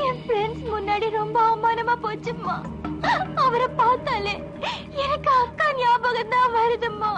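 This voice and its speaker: A hurt young college woman who speaks through tears. Her voice is high, and film music plays behind her. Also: fairly even intonation, a little slow, highs cut off. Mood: tearful. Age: young adult. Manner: tearful, hurt.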